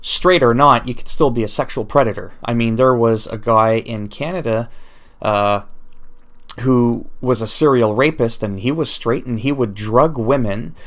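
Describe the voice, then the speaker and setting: A man's voice: mid-range voice, moderate pace, a bit bright. A man whose first language is French, ranting off the cuff in an unscripted vlog commentary and thinking aloud as he goes. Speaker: YouTuber.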